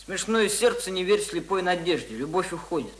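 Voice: mid-range voice, animated, moderate pace, a little hiss or hum, lightly acted. An actor playing a cheeky schoolboy son who talks back to adults in a pert, blunt way, in a Russian radio drama. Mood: earnest. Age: child. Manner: pert, contrary, blunt retorts. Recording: roomy studio radio play sound. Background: music.

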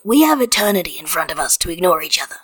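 A woman's voice: on the low side, very animated, fast, husky. A woman voicing a blunt, insistent swordsman for a storybook reading.

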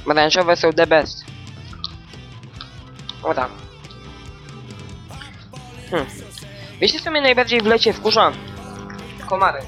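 A man with a somewhat high-pitched voice rambles through a solo podcast. He talks loosely and hesitantly, restarting thoughts and filling pauses. Faint music plays in the background. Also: a bit bright. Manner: hesitant, meandering, with many fillers and restarts. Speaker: podcast host.

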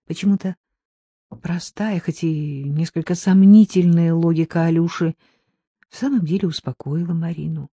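A woman narrating an audiobook with expressive storytelling on a close mic. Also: on the low side, normal speed, husky, no echo. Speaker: audiobook reader.

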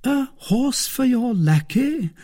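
A man voicing an anxious, thrifty middle-aged woman married to a lawyer, with a shrill, tremulous, pleading manner. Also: very animated, a little slow, dark tone, slightly rough, heavily acted.

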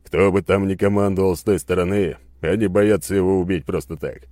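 A man voicing a calm, matter-of-fact male comrade soldier in an audiobook. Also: sits low, a little fast, dry recording, clean studio sound, lightly acted.

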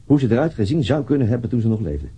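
An actor playing a weary, taciturn police detective in a radio drama, husky and terse in manner. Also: male voice, mid-range voice, very animated, fast, dark tone. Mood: matter-of-fact. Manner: terse, subdued.

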